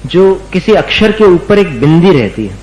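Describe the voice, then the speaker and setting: A man's voice: high-pitched, sing-song, darkish tone, echoey room, low-quality recording. A man giving a religious lesson on recitation, patiently drawing out words so listeners can copy them. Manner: patient, repeats words slowly for students to copy. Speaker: religious teacher.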